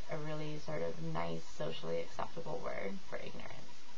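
Noticeable background noise runs under a woman's moderately paced speech. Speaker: eating disorder recovery vlogger. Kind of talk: casual talk to camera. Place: home room. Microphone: webcam.

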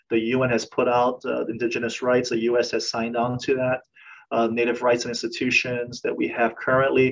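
A man with a medium pitch talks at a fairly quick pace in a monotone, flat intonation. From Hawaii. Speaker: professor and clinical psychologist; professor. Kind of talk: lecture. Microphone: video call.

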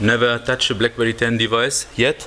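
A man at a moderate pace with light background noise. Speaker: conference presenter. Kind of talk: lecture. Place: hall.

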